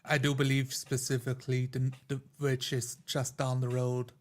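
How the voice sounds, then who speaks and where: A man's voice: mid-range voice, completely flat delivery, normal speed. Man chatting casually as a tabletop player. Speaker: player in a tabletop roleplaying game. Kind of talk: casual chat.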